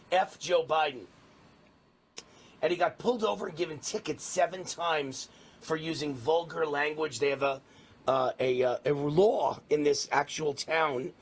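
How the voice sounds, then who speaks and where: A man's voice: on the high side, slightly rough. A middle-aged man from New York hosting a political talk show, ranting with fiery emphasis. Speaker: talk radio host.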